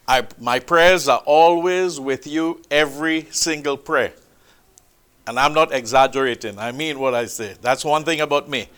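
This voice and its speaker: A man preaching a sermon, with a loud, booming, emphatic delivery, speaking into a microphone in a church hall. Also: normal speed, clean tone. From Trinidad. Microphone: handheld or stand mic.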